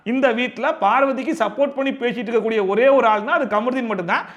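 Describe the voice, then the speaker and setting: Male show reviewer, very high voice, rapid sarcastic delivery, rhetorical questions. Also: highs cut off. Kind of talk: fast opinionated commentary.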